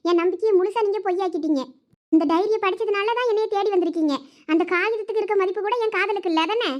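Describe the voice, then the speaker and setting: A woman's voice: very high-pitched, quick pace, muffled recording. A woman voicing a sulky, hurt young wife with a Thoothukudi Tamil accent in a cartoon, reproachful and insistent. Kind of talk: cartoon voice acting.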